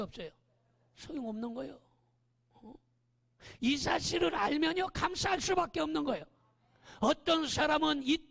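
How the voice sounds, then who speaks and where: High, gravelly-voiced preaching man. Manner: animated, often shouting, keeps asking the congregation "eh?". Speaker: pastor. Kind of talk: sermon. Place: church sanctuary. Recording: long church-hall reverb.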